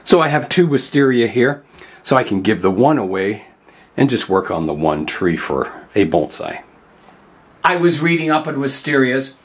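An older man with a hoarse voice from a cold hosts a bonsai channel, chatting casually and thinking aloud as he works with his hands in a glass greenhouse. He sounds very animated at a medium pitch and normal speed.

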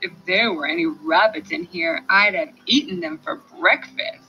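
A woman voicing a greedy, hungry male fox in a storybook read-aloud, drawing out her lines with slow gloating. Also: fairly low pitch, lively intonation, pushed and bright, dull audio, soft background music.

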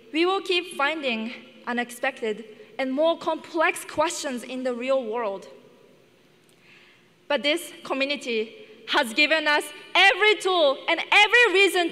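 A young woman from Japan giving an earnest, measured commencement speech on a headset mic. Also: high voice, pushed and bright. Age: young adult. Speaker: student class speaker. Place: large indoor arena stage. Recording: long arena reverb.

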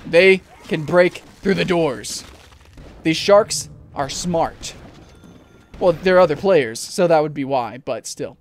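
A young man commentating his gameplay at a desk mic at home, jumpy and swearing, often breaking into panicked shouts. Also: fairly high pitch, slow pace, a little hiss or hum. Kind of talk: let's play commentary.

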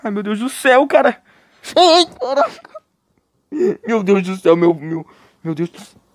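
A man's voice: high voice, lively intonation, brisk, no room sound, studio quality. Young Brazilian man yelping through a game. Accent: Brazilian Portuguese. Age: young adult. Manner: jokey, panicky yelps and screams when scared. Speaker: game streamer. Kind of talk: live gameplay commentary.

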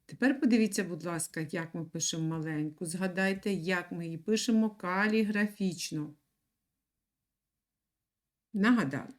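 A woman teaching young children in an online lesson, speaking slowly and clearly and repeating words for them to write down. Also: lowish voice. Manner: patient, slow and clear, repeats words for dictation. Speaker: primary school teacher.

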